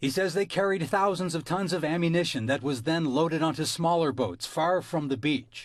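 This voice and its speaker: In an unremarkable speaking voice, a man with a fairly high pitch talks at a moderate pace with hardly any pauses, ordinary pitch variation and very even loudness over a quiet background. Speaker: TV news reporter. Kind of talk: TV news report.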